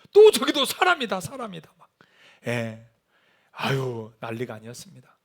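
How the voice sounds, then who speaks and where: A middle-aged male pastor preaching a sermon, telling a mission story with animated storytelling and acted-out shouted quotes. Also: sits high.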